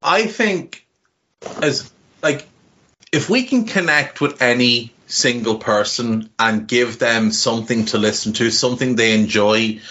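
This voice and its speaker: A man's voice: mid-range voice, sharp tone. A man co-hosting a casual podcast chat, talking frankly and earnestly, swearing now and then and restarting his phrases. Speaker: podcast co-host. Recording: dull lo-fi audio.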